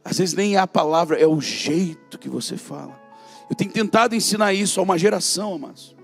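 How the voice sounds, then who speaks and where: Brazilian male preacher, gravelly, emphatic, loud calls and quiet asides, soft music bed. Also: sits high, fairly quick. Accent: Brazilian Portuguese. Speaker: prophet preacher. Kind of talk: sermon.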